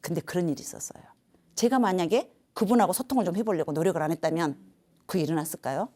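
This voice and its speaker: A woman giving a lively motivational lecture to seniors, telling a personal story and acting out the dialogue with big swings in volume. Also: fairly low pitch, fast. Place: lecture hall.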